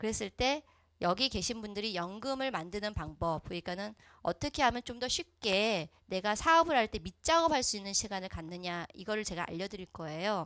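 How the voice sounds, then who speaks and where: On a very clean recording with a silent background, a woman uses lively intonation at a medium pitch. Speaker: network marketing speaker, Korean medicine doctor. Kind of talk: motivational talk. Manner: fast.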